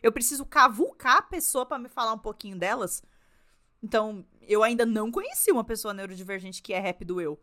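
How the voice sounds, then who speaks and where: Blunt, lively São woman. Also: a little high, fairly quick. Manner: blunt, swears freely, animated storytelling. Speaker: podcast co-host. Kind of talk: casual chat.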